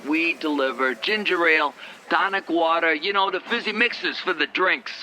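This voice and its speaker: A man's voice: a little high, moderate pace, background noise, close to an everyday voice. A man voicing a brusque, awkwardly confident working man in his thirties in an audio story. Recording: music clearly behind the voice. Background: music.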